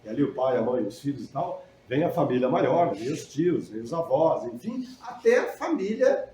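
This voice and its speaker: A man's voice: mid-range voice, very animated, moderate pace, dark tone, slight background noise. A middle-aged man giving a conversational spiritual lecture, earnest and often ending phrases with a questioning tag. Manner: earnest, tags sentences with a questioning "né?". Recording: echoey hall recording.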